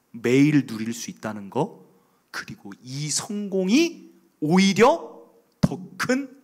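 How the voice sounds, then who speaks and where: A male pastor giving a sermon in a church, preaching with rhetorical questions and the odd chuckle. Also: a little high.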